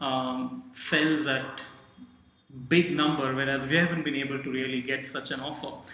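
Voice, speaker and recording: Noticeable background noise runs behind the speaker. He is a man talking at a fairly slow pace. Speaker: film director. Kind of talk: casual talk to camera. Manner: unscripted, hesitant.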